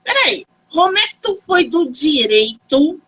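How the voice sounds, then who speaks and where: A woman hosting an interview, asking questions in a warm, encouraging manner. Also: sits high, sing-song, unhurried, dull audio. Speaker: interview host. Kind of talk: casual interview over a live stream.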